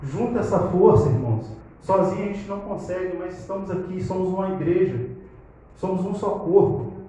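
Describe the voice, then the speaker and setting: A man's voice: sits high, moderate pace, dark tone, slight background noise. A man in his thirties leading a fervent church prayer on a handheld mic, repeating "ó Pai" and "ó Deus" between phrases. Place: small church hall, indoors. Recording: very echoey room, slightly dull sound.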